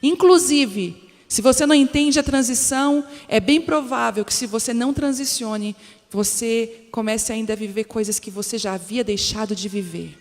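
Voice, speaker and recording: A woman's voice: on the high side, normal speed. Female pastor preaching, reverberant hall. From Brazil. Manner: preaching to women with personal stories, addressing the congregation directly. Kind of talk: sermon. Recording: long hall reverb with faint music.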